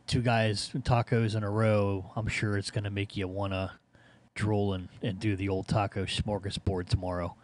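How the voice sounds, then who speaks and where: A man's voice: lowish voice, little pitch movement, a little slow. An American man chatting casually as an amateur radio operator in an easygoing, rambling manner. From Ohio, United States. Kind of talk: casual ham radio chat.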